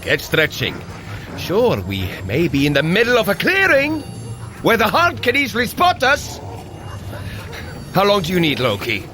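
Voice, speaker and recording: An actor playing a noble, protective warrior god, earnest and commanding, in a scripted audio adventure. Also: male voice, high voice, wildly swooping pitch, a little slow, pauses often, pushed and bright, slight background noise, exaggerated voice. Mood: impatient, instructing.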